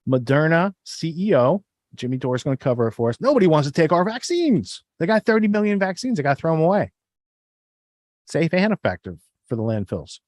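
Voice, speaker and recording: A man's voice: on the high side, big pitch swings, brisk, darkish tone, no echo. A man hosting a podcast in casual, sardonic chat. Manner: wry, sardonic. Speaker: podcast host.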